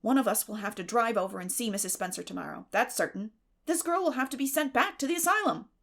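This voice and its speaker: A woman's voice: fairly high pitch, lively intonation, fairly bright tone. Woman voicing a stern, indignant older spinster. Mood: wrathful. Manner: brisk, scolding, emphatic.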